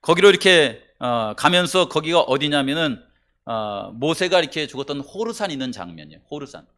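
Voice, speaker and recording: A man preaching a sermon to his church congregation. His voice sits fairly high for a man. He talks in a conversational way, tossing questions to the listeners, and swings between loud emphatic bursts and low, quiet asides. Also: sing-song, a little fast. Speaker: pastor.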